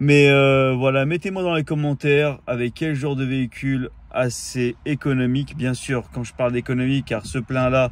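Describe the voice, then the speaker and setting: A man talks at medium pitch and a moderate pace. He uses fairly even intonation and hardly any pauses. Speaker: car import vlogger. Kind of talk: casual vlog to camera. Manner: loud; hesitant with many fillers.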